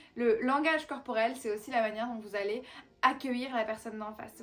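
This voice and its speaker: Music plays in the background as a woman speaks. Her high pitch shows ordinary variation. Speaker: coach for women entrepreneurs. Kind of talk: tutorial. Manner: calm, measured.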